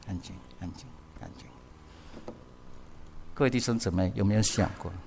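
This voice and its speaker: A man's voice: on the high side, fairly bright tone, in a large hall. An older man preaching a sermon, often asking the congregation questions and repeating words for emphasis. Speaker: pastor.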